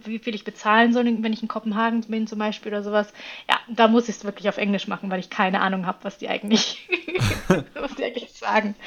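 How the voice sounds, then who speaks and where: A woman's voice: a little high, muffled recording. A woman from Norway with a Norwegian accent, chatting casually as a guest, explaining with examples and laughing often. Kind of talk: casual chat.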